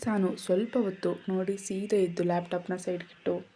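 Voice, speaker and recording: Woman narrating a story in a flat voice. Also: lowish voice, a little fast, a little hiss or hum. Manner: steady, even reading.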